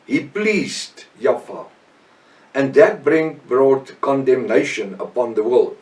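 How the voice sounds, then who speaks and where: Male Bible teacher, native Afrikaans speaker, South African accent. Medium pitch, earnest halting preaching, roomy echo, slightly off-mic. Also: expressive, a little mellow. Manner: earnest, emphatic, halting delivery with repetition and short phrases. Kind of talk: extemporaneous Bible teaching sermon. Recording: echoey room, distant microphone.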